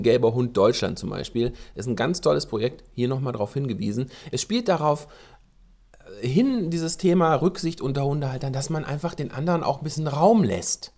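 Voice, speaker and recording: A man hosting a podcast, giving casual advice to dog owners and working as a dog trainer, talking in an animated way with frequent ums and restarts. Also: mid-range voice. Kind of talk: casual spoken advice talk.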